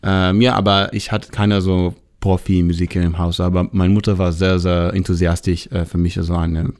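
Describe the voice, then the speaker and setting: A young man from Israel with an Israeli accent, a musician guest speaking halting German with grammar slips. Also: low-pitched, flat delivery, darkish tone. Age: young adult.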